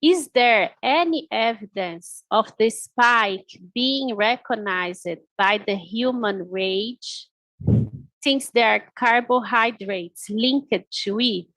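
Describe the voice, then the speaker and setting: A woman's voice: on the high side, slow, fairly bright tone, no room sound, low-quality recording. A woman moderating an online lecture, reading out audience questions carefully. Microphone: video call.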